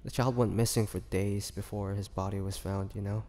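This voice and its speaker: A man playing a melancholy half-vampire, confiding his past slowly and haltingly in a dramatic audio roleplay monologue. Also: lowish voice, steady tone, mellow, lightly acted. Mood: somber. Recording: long reverberant hall, faint noise.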